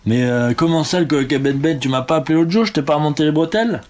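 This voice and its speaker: A man giving excitable, mock-dramatic commentary on a game livestream. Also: on the high side, quick pace.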